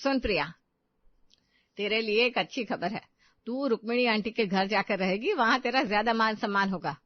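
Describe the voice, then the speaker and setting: A woman's voice: mid-range voice, normal speed, dry recording, natural voice. A woman voicing a stubborn, commanding middle-aged mother-in-law in a cartoon story. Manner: bossy, commanding. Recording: dull dry studio audio.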